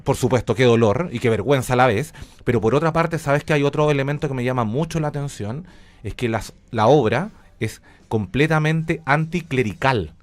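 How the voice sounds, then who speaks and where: Chilean man explaining, mid-pitched. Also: normal speed. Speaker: interview guest, radio drama director. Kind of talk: conversational interview.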